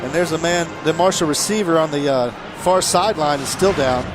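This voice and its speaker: A man's voice: on the high side, fairly quick. A man doing live play-by-play commentary of an American football game from a broadcast booth. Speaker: play-by-play announcer. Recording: broadcast booth with crowd noise behind.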